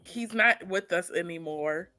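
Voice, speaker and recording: A woman co-hosting a podcast in casual chat, playful and quick with asides, laughing often. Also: lowish voice, sharp tone, no room sound. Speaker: podcast co-host.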